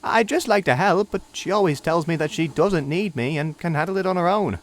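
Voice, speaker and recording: Kind young engine, earnest and worried, raised pitch, played by a male narrator. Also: lively intonation, fairly quick.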